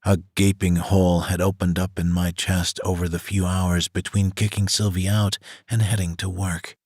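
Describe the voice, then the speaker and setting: A man reading a romance audiobook aloud in the first person, in an even, scripted narration. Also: sits low, normal speed, breathy edge, dry recording, clean studio sound. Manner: reads a woman's first-person story in an even voice.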